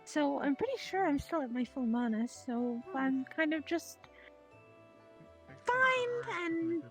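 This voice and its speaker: A woman plays a nervous young mage who stammers and hedges through every sentence. The voice is very high, with faint music behind. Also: expressive, takes it slowly, full character voice, rough recording. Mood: uneasy. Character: anxious young female mage. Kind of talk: voice roleplay in a social VR world.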